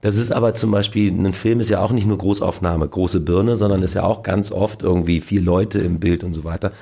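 A male actor as an interview guest, telling lively stories about film sets in a casual way. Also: low-pitched, brisk, creaky, breathy edge. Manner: animated storytelling with acted quotes.

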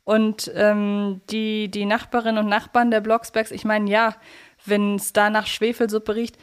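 A woman's voice: medium pitch, flat delivery, measured pace, clear, resonant tone. A woman co-hosting a podcast, talking casually and analytically in a reflective, elaborating way. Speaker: podcast co-host. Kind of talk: casual analytical podcast talk about an audio drama series.

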